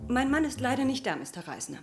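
A woman's voice: high-pitched, very animated, fast talker, darkish tone, faint music behind. An actress playing a polite, self-assured married society woman in a German crime radio play. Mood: polite, matter-of-fact.

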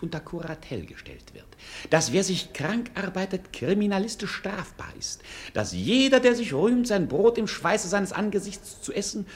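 A playful, idle court fool in a classic radio play. His high voice leaps extravagantly up and down. He delivers everything with theatrical mock solemnity and grand airs.

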